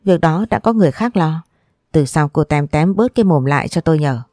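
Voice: medium pitch, lively intonation, fairly quick, a little mellow, no echo, studio quality, lightly acted. A storyteller voicing a stern, angry young husband who scolds harshly.

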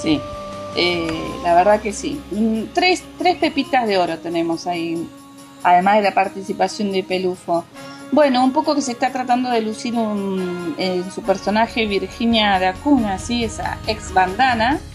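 A woman's voice: medium pitch, lively intonation, normal speed, over music. A woman with an Argentine Spanish accent, co-hosting a casual chat and telling anecdotes with many hesitant restarts. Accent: Rioplatense Spanish. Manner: storytelling, hesitant with fillers and restarts. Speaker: co-host.

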